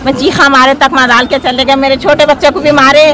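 A woman's voice: high voice, little pitch movement, brisk, crowd noise. A middle-aged grieving mother, pleading and crying out for justice in a street statement.

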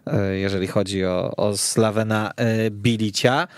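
A man's voice: lowish voice, fairly even intonation, a little slow, dry recording. A man hosting a semi-formal sports podcast, with wordy, ornate phrasing in broken-up clauses. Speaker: podcast host. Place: radio studio.

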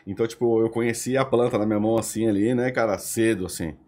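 A man talking as a guest on a casual podcast, telling a story in quick, slangy bursts. His voice has a husky grain. He speaks at a brisk pace and keeps the telling animated. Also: fairly low pitch. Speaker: podcast guest, former radio host. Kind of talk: animated anecdote in casual chat.

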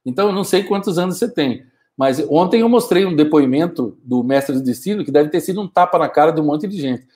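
A man in his fifties lectures his viewers with fierce, scolding energy in a somewhat high voice. He speaks into a wired earphone mic in a small home studio. He talks like a motivational speaker rousing a live audience. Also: animated, fast, few pauses. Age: 50s. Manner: forceful, scolding, gestures a lot. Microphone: wired earphone mic, webcam framing.

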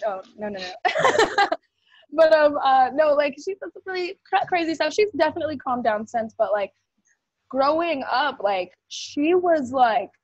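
A woman's voice: sits high, expressive, measured pace, no room sound. A young woman co-hosting a casual video call chat, rambling with many fillers. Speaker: co-host. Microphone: webcam on video call. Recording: dull, dry webcam audio.

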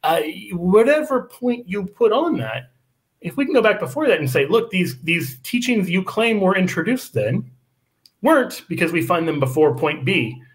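A man in his thirties, a guest on a podcast, making an animated, argumentative case over a video call. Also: high-pitched. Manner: animated, argumentative, quick asides. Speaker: guest apologist. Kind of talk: casual podcast discussion. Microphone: video call microphone.

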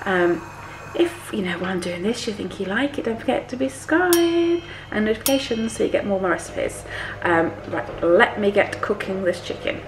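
A woman in her forties, a little hoarse from a cold, chatting to camera in her home kitchen with lots of ums and "okay?". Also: medium pitch, sing-song, moderate pace. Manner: chatty, many ums, stresses points with "okay?". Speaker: cooking vlogger. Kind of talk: chatty cooking vlog to camera. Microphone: handheld camera close to face. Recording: echoey kitchen with faint hum.

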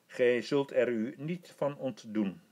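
Stately old emperor, gracious and commanding, very unhurried; a man doing the voice. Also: mid-range voice, a little mellow, lightly acted. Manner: stately, measured and formal. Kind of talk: audiobook reading.

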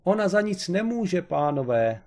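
A man voicing a hysterical male painter who pleads in a shrill, desperate voice. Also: expressive. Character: hysterical male quick-sketch painter confessing.

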